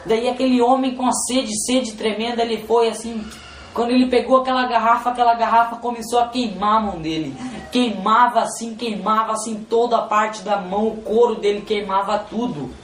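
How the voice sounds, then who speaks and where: Brief: man, emotional religious testimony, halting and repetitive, roomy echo. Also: high voice, steady tone, a bit bright, slight background noise. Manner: halting and repetitive, constantly addressing "Senhor". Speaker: testimony giver. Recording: roomy with faint background ambience.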